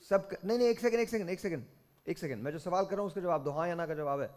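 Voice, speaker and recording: A man's voice: sits high, animated, rapid-fire, a little mellow. A man with a Pakistani accent hosting a game show, lecturing contestants sternly and slipping into English phrases.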